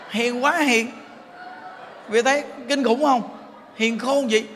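A Buddhist monk with a Southern Vietnamese accent, telling a story in a lively, animated sermon. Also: male voice, very high-pitched. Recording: reverberant hall, faint noise.

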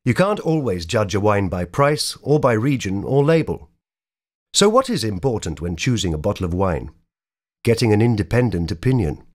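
A man with a fairly low voice performs scripted material for a voice reel. His delivery is theatrical and polished, as a professional voice-over actor would read ads, verse or prose. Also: sing-song, normal speed. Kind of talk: voice-over demo reel of ads, poems and dramatic readings.

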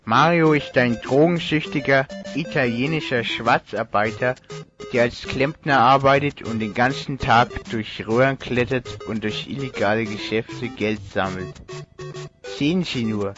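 A man's voice: medium pitch, lightly acted. A man playing a grave, indignant crusader against violence, presenting a mock TV report in a cartoon satire. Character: alarmist male anti-video-game TV crusader, grave and indignant. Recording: dull recording over loud music.

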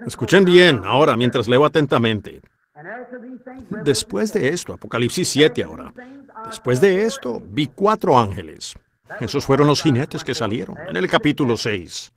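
A man's voice: medium pitch, big pitch swings, moderate pace. A man preaching a dubbed sermon in a fervent, exhorting way.

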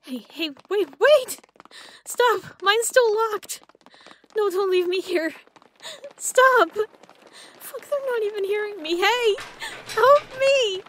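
A woman voicing a frightened prisoner in a sci-fi audio drama, weary and hushed, breaking into frantic pleading when she is left behind. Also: very high voice, animated, slow.

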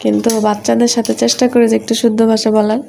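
A woman's voice: on the high side, level tone, rapid-fire, vocal fry, dark tone, a little hiss or hum. A woman in her thirties with a Gazipur Bangla accent, chatting to viewers as she cooks in her home kitchen. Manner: chatty, explains each dish to viewers. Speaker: mother and home cooking vlogger. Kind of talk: casual home vlog narration.

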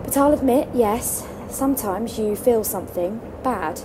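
A woman playing a kindly, reflective, gently stubborn veteran Arctic scientist in an audio drama. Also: a little high, unhurried, lightly acted. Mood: wistful. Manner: motherly, reflective, reassuring. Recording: noisy stormy outdoor ambience.

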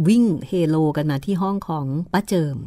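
A hoarse woman with a cold, hosting a podcast and gently reading a horror novel aloud. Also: medium pitch, expressive, brisk, dry recording, soft background music. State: hoarse from a cold and sore throat. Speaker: host and reader.

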